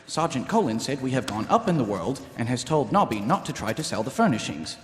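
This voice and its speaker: A man's voice: medium pitch, very animated, a little fast, slight background noise, lightly acted. A man playing a naive, earnest young watchman, stiffly literal, in a live radio comedy. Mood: earnest, proud. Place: live on stage in a large hall. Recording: echoey hall, live stage performance.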